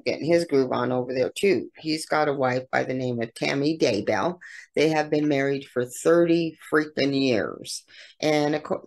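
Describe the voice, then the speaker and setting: A woman's voice: a bass voice, a little mellow. A woman hosting a true crime channel, retelling a case in a casual, chatty way with slang, fillers and acted-out quotes.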